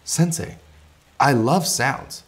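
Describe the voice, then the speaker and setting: A man's voice: mid-range voice, takes it slowly, husky, pitched above the performer's own voice. A man voicing a curious, earnest little boy in a children's storybook, wondering and questioning.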